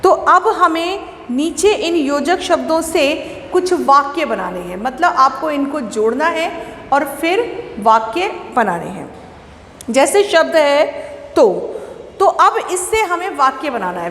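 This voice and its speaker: A woman's voice: high-pitched, a bit bright, slight background noise. A woman teaching a school lesson to children, explaining patiently and asking questions that she then answers herself. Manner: explains patiently, repeats words and asks then answers her own questions. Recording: echoey room with long reverb, faint ambience.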